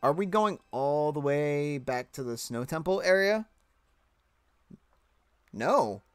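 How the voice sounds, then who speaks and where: A man's voice: a little high, expressive, takes it slowly, clear, resonant tone, no room sound. A man casually commenting on his gameplay with chatty, self-mocking asides. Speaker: let's play gamer.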